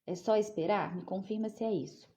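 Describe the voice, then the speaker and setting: Brisk and mellow, with a medium pitch, a female psychologist fields viewer questions in an informal live session. She's talkative, says "gente" to her audience, and frequently asks "né?".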